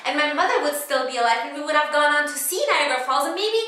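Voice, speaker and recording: Comic stage role, performed by a woman: overeager runaway wife, rambling and theatrical, bright raised pitch, roomy home recording. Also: moderate pace. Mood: agitated, frantic. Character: chatty, manic runaway wife on a bus. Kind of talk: comedic stage monologue. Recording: echoey home room recording.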